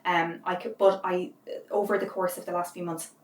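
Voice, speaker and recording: A woman in her thirties with an Irish accent, a guest chatting casually in an interview and telling lively stories. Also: on the low side, moderate pace, roomy sound, distant mic, a little hiss or hum. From Ireland. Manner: chatty, animated storyteller.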